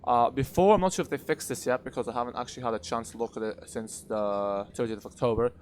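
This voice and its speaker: A man reviewing a game in unscripted commentary over gameplay, explaining in a measured, hesitant way. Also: medium pitch, darkish tone, slight background noise.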